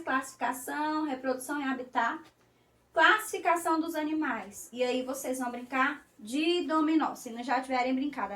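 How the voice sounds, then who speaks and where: A Brazilian woman teaching a recorded class for young children, in slow, coaxing, sing-song teacher talk. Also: high voice, a bit bright, roomy sound, far from the mic. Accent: Brazilian Portuguese.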